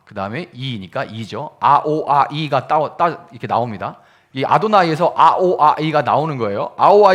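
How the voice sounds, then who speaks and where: A man's voice: on the high side, fairly bright tone. A male pastor giving an explanatory sermon in a conversational teaching manner, asking the congregation questions and sounding out syllables one by one. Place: small church service.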